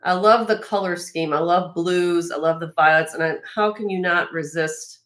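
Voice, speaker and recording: A woman with a slightly raspy voice hosting a live jewelry sale, chatting casually and admiringly as she shows each piece, with frequent fillers and restarts. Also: on the low side, fairly even intonation, moderate pace, a bit bright. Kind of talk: casual show-and-tell product presentation.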